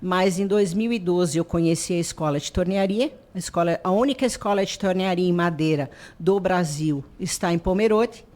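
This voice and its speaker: Animated woman storyteller. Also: fairly low pitch, moderate pace, hardly any pauses. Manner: animated storyteller who acts out quoted dialogue. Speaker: artisan association president. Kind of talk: radio interview.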